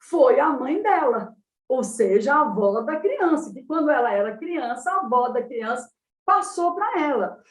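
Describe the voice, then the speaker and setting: A woman psychologist with a Brazilian Portuguese accent, giving an animated talk on child development. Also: high-pitched, measured pace. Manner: animated explaining, acts out mothers' baby talk. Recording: roomy sound, distant from the mic.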